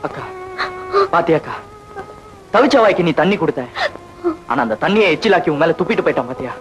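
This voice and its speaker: An actor playing a loyal younger brother, earnest and indignant, in 1980s film melodrama. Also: male voice, on the high side, lively intonation, fast talker, natural voice, rough recording.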